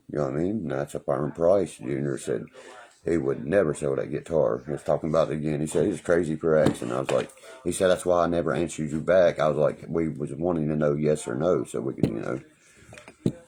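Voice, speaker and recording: A man with an American accent speaks at a very deep, low pitch. He moves at a fairly quick pace with ordinary pitch variation over noticeable background noise. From New Jersey. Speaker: livestreamer. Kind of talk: casual chat. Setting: livestream. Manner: animated.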